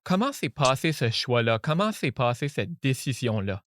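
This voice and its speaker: A man's voice: mid-range voice, sing-song, normal speed, fairly bright tone, no echo. A man hosting an interview, asking questions and giving short encouraging backchannels. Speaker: interviewer host.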